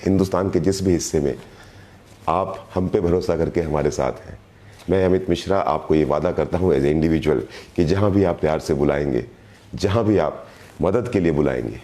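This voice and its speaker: A direct selling team leader with a hoarse, low, dark-toned voice and a sore throat gives a motivational live video address. He speaks earnestly and deliberately, repeating phrases for emphasis.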